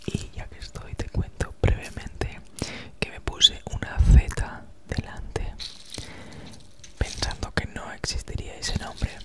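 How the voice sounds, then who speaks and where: Whispering Spanish woman right in your ear. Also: slow pace. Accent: Spanish from Spain. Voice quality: breathy unvoiced whisper; noticeable, characteristic S sound. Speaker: ASMR creator. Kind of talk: whispered ASMR, rambling casual chat. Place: small home room, indoors. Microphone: handheld recorder with foam windscreen, very close.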